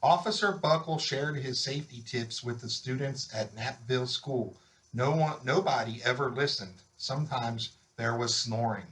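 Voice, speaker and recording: A man's voice: mid-range voice, normal speed, fairly bright tone, slight background noise, low-quality recording. Man reading a children's picture book aloud. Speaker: volunteer story reader.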